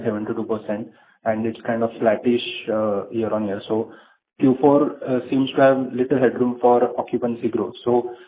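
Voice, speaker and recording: A male financial analyst asking questions on an earnings call in a halting, deferential way. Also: mid-range voice. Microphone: phone call. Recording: narrow tinny phone line.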